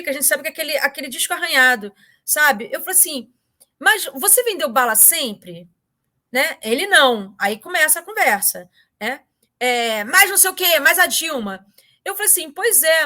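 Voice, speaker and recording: High, bright-voiced woman. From Brazil. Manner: animated, full of fillers and repeated words. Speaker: interview guest. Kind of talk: casual anecdotal storytelling.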